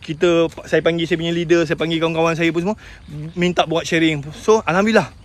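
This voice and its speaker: A man's voice: on the high side, fairly even intonation, fast talker. A man with a Malaysian Malay accent giving an emotional motivational talk about his own struggles, often calling out to his listeners and mixing in English words. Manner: emotional storytelling, addresses listeners as tuan-tuan, mixes in English words. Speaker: sales agent sharing his story.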